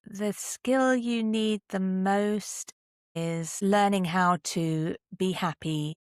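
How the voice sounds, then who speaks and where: A British woman answering casually as a podcast guest, animated, candid and self-deprecating. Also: medium pitch, extremely slow, clear, resonant tone, no echo, studio quality. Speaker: guest, actor and writer.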